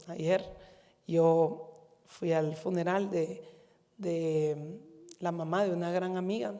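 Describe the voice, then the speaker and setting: A woman's voice: on the low side, warm tone, in a large hall. A middle-aged woman with a Guatemalan Spanish accent, a physician giving a conference talk to medical students in a conversational storytelling manner, often using rhetorical questions.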